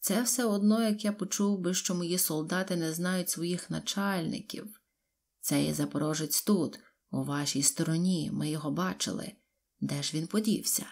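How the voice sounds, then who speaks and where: A woman doing a brutal rough-voiced officer. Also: on the high side, steady tone. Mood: menacing. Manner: slow, menacing, barking orders. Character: brutal red-faced male officer, rough-voiced, bullying.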